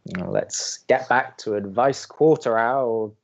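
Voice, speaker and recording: A man's voice: mid-range voice, a little slow, creaky, lo-fi sound. A young man playing a sardonic, reluctant college radio co-host in an audio drama, with a dry, skeptical, pedantic way of talking. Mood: reluctantly helpful. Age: young adult. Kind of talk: scripted audio drama banter.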